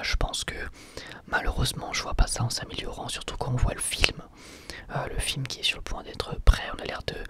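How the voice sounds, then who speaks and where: A young adult host, whispering casual, hesitant answers to viewer questions into a close microphone for an ASMR video. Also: mid-range voice. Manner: soft steady whisper, casual and hesitant with many fillers.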